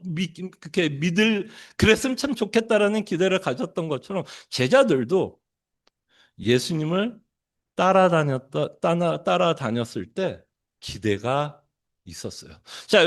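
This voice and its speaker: A male pastor preaching a sermon, putting many questions to the congregation and acting out the disciples' lines. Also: sits high.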